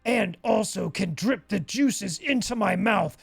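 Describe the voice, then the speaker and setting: Brief: man playing a fast, gravelly braggart gorging himself, rpg scene. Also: sits high, lively intonation, no echo, faint music behind, heavily acted. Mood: boastful. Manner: boastful, loud, fast.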